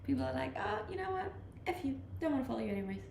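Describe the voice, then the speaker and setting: A young woman from Denmark speaks with a slight Danish accent, blended from the many countries she has lived in. She chats easily with her viewers and laughs often, and her voice has a gravelly edge. The room sounds echoey, with faint noise behind her. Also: sits high, huge pitch swings, very fast, darkish tone. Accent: slight Danish, mixed from living abroad. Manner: laid-back, chatty, often laughing. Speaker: streamer. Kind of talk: casual chat reading live comments.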